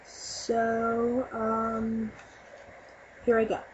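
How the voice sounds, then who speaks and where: A woman's voice: a little high, monotone, drawn-out words, a little mellow. A woman speaking casually and hesitantly as an amateur voice actor introducing herself. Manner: hesitant, offhand. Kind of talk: casual, unscripted intro and asides. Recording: muffled home recording with faint noise.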